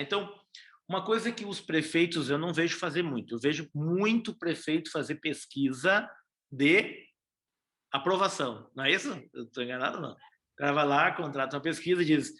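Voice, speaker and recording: A middle-aged man lectures on political communication in a loose, conversational way. His voice sits a touch high and rings bright and forceful. He restarts sentences and tosses questions at his audience. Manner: chatty, lively, full of restarts and rhetorical questions. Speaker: political marketing specialist giving a training talk. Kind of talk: informal lecture to newly elected officials.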